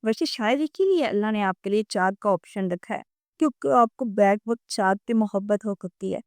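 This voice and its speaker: A woman's voice: mid-range voice, dry recording, clean studio sound, natural voice. A woman reading as a cool, proud young wife. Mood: wry. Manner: flat, cool, composed.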